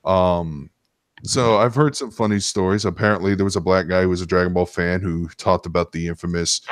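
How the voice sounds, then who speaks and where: Male stream host, lower register, loose profane storytelling, dry recording. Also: no echo. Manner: rambling, profane. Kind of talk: casual storytelling chat.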